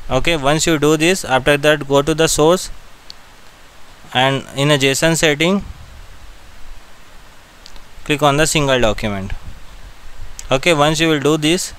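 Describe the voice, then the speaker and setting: A man with an Indian accent narrating a step-by-step software tutorial in short, repeated directions. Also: fairly high pitch, measured pace, long pauses, clear, resonant tone, rough recording.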